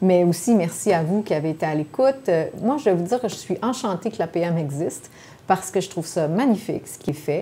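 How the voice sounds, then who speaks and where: A woman speaks at a fairly quick pace with a dark, mellow tone and medium pitch. Her voice is somewhat breathy, with lively intonation. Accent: Quebec. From Quebec. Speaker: positive psychology author and speaker. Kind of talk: live interview. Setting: live studio broadcast.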